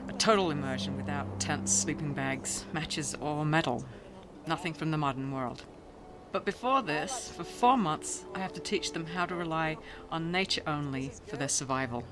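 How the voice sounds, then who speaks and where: A wilderness skills instructor with a slightly high voice speaks slowly and thoughtfully, both in a documentary interview and while teaching.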